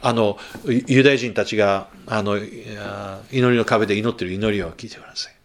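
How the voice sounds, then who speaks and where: A man's voice: fairly low pitch, fairly even intonation, brisk, vocal fry. A male pastor giving a sermon in a conversational manner, asking the congregation questions and rising to emphatic bursts.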